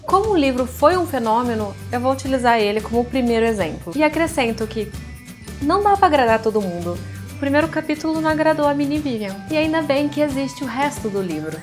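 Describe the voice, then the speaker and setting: An author who hosts a writing advice series teaches a lesson in a fairly high voice, her Brazilian Portuguese accent marked by a pulled R. She talks to the viewer directly and informally, animated and fast, with faint music underneath. The video is didactic and includes book excerpts she reads aloud.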